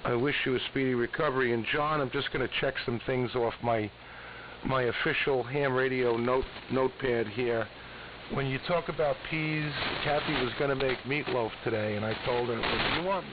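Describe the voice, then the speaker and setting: Man on dull, static-laden AM radio. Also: medium pitch. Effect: AM shortwave radio transmission. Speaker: amateur radio operator. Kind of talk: casual ham radio chat.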